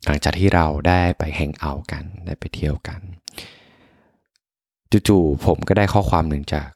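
Deep-voiced man in soft bedtime pillow talk. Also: normal speed, no echo, clean studio sound. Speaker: podcast host. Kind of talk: intimate bedtime pillow talk, personal storytelling.

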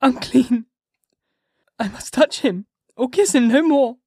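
A man voicing a terrified young wife who pleads and sobs in a high, strained voice, in a dry storybook reading. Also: slow, mellow, breathy edge, no room sound, full character voice. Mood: sobbing despair.

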